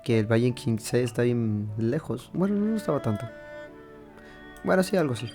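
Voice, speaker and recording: A man's voice: mid-range voice, big pitch swings, fairly quick. A man with a Mexican accent giving casual, joking gameplay commentary as a gaming video host. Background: game music.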